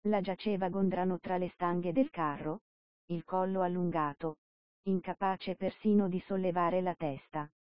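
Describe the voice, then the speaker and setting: Low-voiced woman reading a story aloud. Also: no room sound. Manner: measured, steady storytelling. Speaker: audiobook narrator. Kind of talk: scripted narration. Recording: dull dry lo-fi recording.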